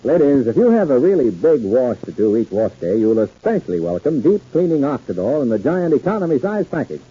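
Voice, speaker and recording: A man's voice: medium pitch, big pitch swings, brisk, slightly rough. A man working as an old radio announcer, reading scripted copy in a polished, emphatic sales manner. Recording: dull 1950s radio recording.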